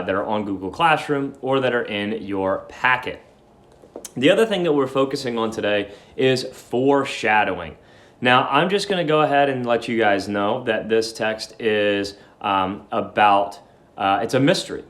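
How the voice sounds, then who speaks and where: A man working as a teacher, giving a live read-aloud lesson with story narration. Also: medium pitch. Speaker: teacher reading aloud to students. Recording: roomy echo.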